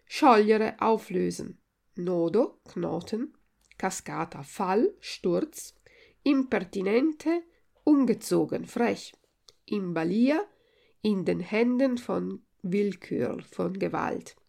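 A woman teacher reading a story aloud in a measured, deliberate way and giving word translations. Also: mid-range voice, expressive, gravelly, darkish tone. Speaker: language teacher and reader.

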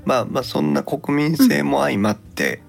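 Guy hosting a chatty podcast, lowish crackly voice, really lively pitch, music behind him. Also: unhurried, creaky. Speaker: podcast host. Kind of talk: casual podcast chat.

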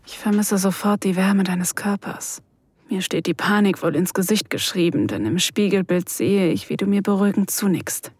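A woman acting a shy, vulnerable mature woman, narrating an erotic audio drama softly and breathily, often sinking into a whisper. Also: mid-range voice, normal speed, slightly rough, no echo, natural voice. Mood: longing.

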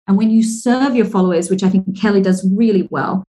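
A woman in her thirties, a podcast guest, talks easily and with energy at a middle pitch. Her speech runs on in long stretches, full of casual fillers. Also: fairly quick. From Singapore. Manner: fluent, energetic, frequent "like" and "you know" fillers. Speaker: podcast guest, speaker and author. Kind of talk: casual interview conversation.

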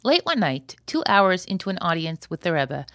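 A woman's voice: lowish voice, big pitch swings, normal speed, a bit bright, no echo, studio quality. A woman hosting a solo podcast in a chatty, conversational way, with wry, joking asides. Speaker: podcast host.

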